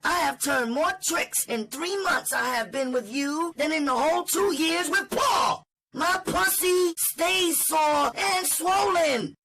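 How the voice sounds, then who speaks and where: Guy putting on a high shrill new england girl, fiery and defiant, yells fast. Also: a little hiss or hum. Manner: shouting, high-strung, rapid and shrill. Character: fiery young woman, sharp-tongued and defiant. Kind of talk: audiobook character voice.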